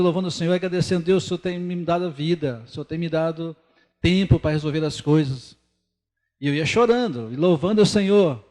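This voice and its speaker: A middle-aged man with a Brazilian Portuguese accent preaching a sermon in a church, speaking earnestly and conversationally with pauses. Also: on the high side, a little mellow. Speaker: lay preacher. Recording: church hall reverb.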